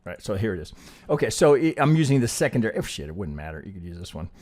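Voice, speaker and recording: A man's voice: lowish voice, very animated, racing, darkish tone. A middle-aged man giving an informal live lesson in chart analysis, thinking aloud conversationally, often checking in with a tagged-on "right" and swearing casually. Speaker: trading educator and video host.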